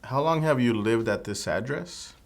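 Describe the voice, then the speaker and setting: Brief: man, mid pitch, formal officer asking steady scripted questions. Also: moderate pace. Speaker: mock immigration officer. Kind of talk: scripted mock interview.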